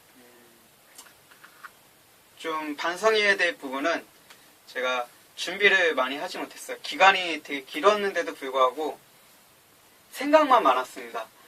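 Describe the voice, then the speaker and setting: Over noticeable background noise, a man with a high voice speaks with lively intonation, big swings in loudness, and long, frequent pauses. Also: fairly slow pace. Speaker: vlogger and storyteller. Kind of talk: casual vlog monologue. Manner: unsettled, not calm.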